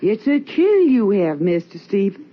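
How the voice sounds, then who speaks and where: An anxious, fussing housekeeper, her husky voice swinging up and down. The sound is dull, like an old radio recording. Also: mid-range voice, very animated, unhurried. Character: fussing, devoted housekeeper woman. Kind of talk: 1940s radio acting.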